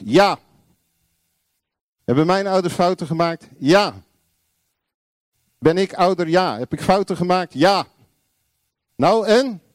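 Preacher man, lively delivery. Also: high voice, dry recording, clean studio sound. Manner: confrontational, acts out little dialogues, sudden shouts. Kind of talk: sermon.

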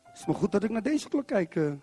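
A middle-aged man from Zwolle preaching a sermon in church, animated and constantly putting questions to the congregation. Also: high voice, quick pace, husky, soft background music. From Netherlands, Zwolle.

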